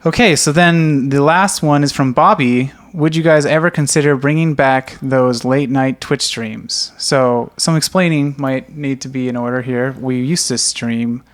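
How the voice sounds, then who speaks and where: A man's voice: medium pitch, measured pace, hardly any pauses. A man co-hosting a podcast, chatting casually and taking listener questions. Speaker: podcast co-host and animated series creator.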